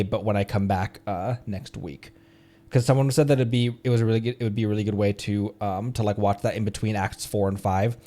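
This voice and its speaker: A man streaming live reaction commentary in a halting, rambling, easily excited way. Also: fairly low pitch. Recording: music playing behind the voice. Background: game trailer music.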